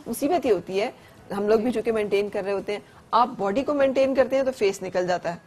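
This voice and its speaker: A woman hosting a morning talk show, brisk and friendly, moving callers and guests along. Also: mid-range voice, a little mellow, slight background noise. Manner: brisk, friendly, quick acknowledgements. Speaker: host.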